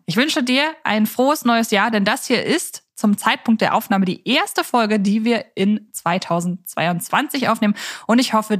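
Female podcast co-host, medium-pitched, conversational and chatty, addressing the audience directly.

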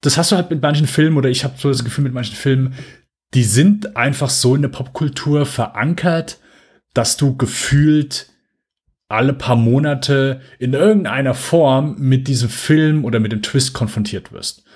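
A man's voice: mid-range voice, normal speed, a little mellow, husky. A man co-hosting a podcast, chatting casually in a rambling, hesitant way with many fillers. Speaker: podcast co-host. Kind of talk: casual chat.

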